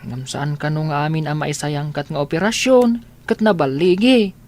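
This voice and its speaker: A cautious man, played by a man who explains things carefully in a slightly high voice. He is a character in an audio drama. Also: normal speed, darkish tone, natural voice. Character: man explaining a risky operation.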